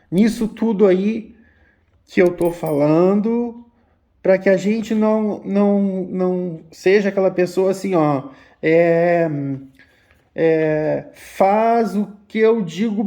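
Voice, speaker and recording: Mellow fifty-year-old man. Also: high voice. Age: 50s. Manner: slow, repetitive, addressing listeners as "gente". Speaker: umbanda spiritual teacher and channel host. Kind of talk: religious teaching talk to viewers.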